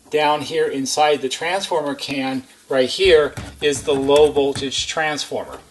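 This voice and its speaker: A man's voice: a little high, a bit bright. Methodical man teaching, noisy recording. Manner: methodical, step-by-step, emphatic on key points. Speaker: repair technician, instructor. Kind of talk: hands-on how-to demonstration.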